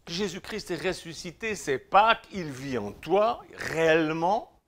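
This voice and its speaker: A man with a Swiss French accent preaching a sermon, exhorting listeners directly with informal address, swinging between loud declarations and quiet asides. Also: on the high side, expressive, measured pace. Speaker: pastor.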